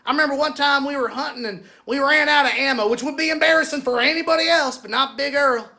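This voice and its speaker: A man's voice: extremely high pitch, fast talker, vocal fry, pushed and bright, heavily acted. A man playing an earnest, folksy hunter, delivering an emphatic comic eulogy. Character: earnest good-old-boy hunter eulogizing his buddy.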